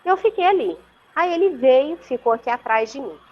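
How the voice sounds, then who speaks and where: A woman's voice: high voice, lively intonation, normal speed, darkish tone. A woman with a Brazilian Portuguese accent, telling a story as an interview guest over a video call, earnest and vivid, often checking in with her listener. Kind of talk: conversational storytelling. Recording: muffled lo-fi video call audio.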